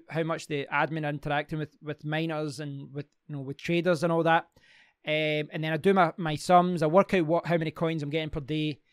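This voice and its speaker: A man's voice: fairly high pitch, clear, resonant tone, no echo, studio quality. A man hosting his own channel, talking casually through a screen share, rambling with many fillers and restarts. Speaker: crypto mining channel host.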